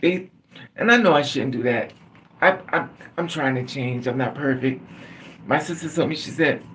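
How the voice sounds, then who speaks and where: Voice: mid-range voice, moderate pace, fairly bright tone, slight background noise. A middle-aged livestream host chatting casually and candidly with viewers, laughing often and calling on them by name.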